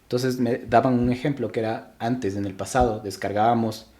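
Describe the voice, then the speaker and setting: A man's voice: medium pitch, fairly even intonation, moderate pace, dark tone. A young man from Ecuador, a podcast guest, talking reflectively in casual interview chat with frequent restarts.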